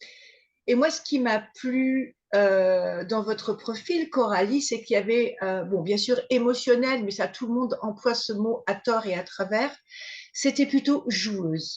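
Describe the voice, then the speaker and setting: Against a quiet background, a woman talks at a very slow pace with lively intonation. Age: 60s. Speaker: client giving a testimonial. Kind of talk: testimony. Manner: hesitant, many fillers.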